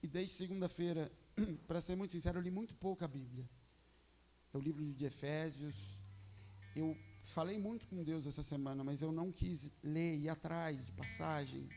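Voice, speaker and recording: A man with a Brazilian Portuguese accent preaches in a church, earnest and fervent. His voice sits a little high with a gravelly edge. Soft music plays faintly underneath. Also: moderate pace. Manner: earnest, fervent, repeats "Pai" in prayer. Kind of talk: sermon with prayer.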